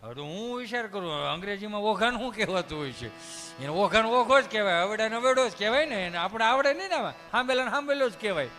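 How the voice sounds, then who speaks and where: On stage, a stand-up comic storyteller from the Dhari area of Saurashtra, Gujarat, spins folksy funny tales in a Kathiawadi Gujarati accent, chatting and acting out the dialogue. His high voice is animated, fast, pushed and bright. A long reverb tail and soft background music accompany the live performance.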